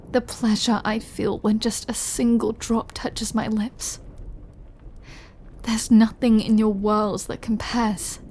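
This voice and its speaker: In an intimate audio roleplay, a woman with a slightly high voice plays a remorseful, lovesick female vampire craving her lover's blood. Her delivery is hesitant, halting and confessional, often softening toward a whisper with soft breathy drops, and the mood is craving and confessional.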